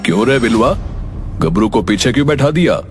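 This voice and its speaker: A man's voice: mid-range voice, very animated, moderate pace, slight background noise, close to an everyday voice. A man voicing a strict, stern male schoolteacher in a cartoon, giving orders in a commanding tone. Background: background music.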